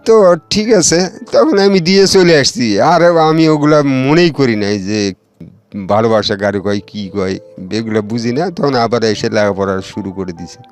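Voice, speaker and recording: A man's voice: mid-range voice, moderate pace, soft background music. A middle-aged man with a colloquial Bangladeshi accent, telling his own life story in a casual, meandering way and acting out what others said. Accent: Bangladeshi colloquial Bengali. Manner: rambling storyteller with fillers and restarts, quoting others. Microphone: radio studio or phone-in line.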